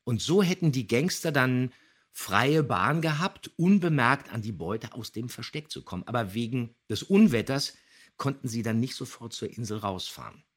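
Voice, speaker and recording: Husky middle-aged man explaining on a podcast. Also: mid-range voice, animated, moderate pace. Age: middle-aged or older. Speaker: podcast co-host, radio play voice actor. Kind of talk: casual podcast talk, explaining.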